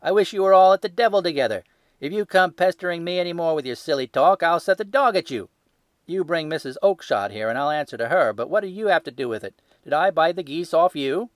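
A man voicing a gruff, blustering male poultry salesman at a market who shouts and hectors. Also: on the high side, lively intonation, moderate pace, no room sound, clean studio sound, pitched above the performer's own voice. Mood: furious.

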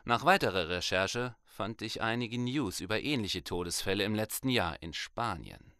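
A tired, methodical male detective in an audio drama. His voice is low with a bright, forceful edge. He talks conversationally and wryly, in a very dry recording. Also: lively intonation, moderate pace, smooth, no echo. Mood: weary, matter-of-fact. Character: weary male police detective, methodical and dryly wry.

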